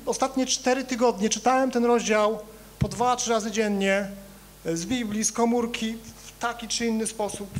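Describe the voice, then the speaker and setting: A male pastor from Poland delivers a sermon in church in an animated, conversational style. He shifts between loud, emphatic rises and quiet, low asides, speaking directly to the congregation and joking with them.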